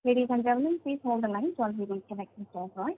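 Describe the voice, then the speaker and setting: A woman's voice: fairly high pitch, lively intonation, very fast, no echo. A woman works as a conference call operator, making polite, formal scripted announcements in a call-centre manner. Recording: narrow-band phone conference line.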